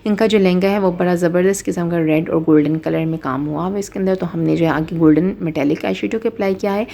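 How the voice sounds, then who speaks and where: Gravelly, mellow-voiced woman teaching makeup. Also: lowish voice, fast talker. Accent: Pakistani Urdu. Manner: explanatory, repeats and rephrases with fillers. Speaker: makeup artist. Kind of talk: step-by-step makeup tutorial.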